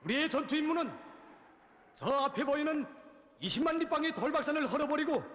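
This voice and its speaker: A man's voice: very high voice, a bit bright. A man with a North Korean accent acting an earnest construction brigade leader in a film, addressing comrades in solemn, rousing oratory. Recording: echoey hall reverb, music behind.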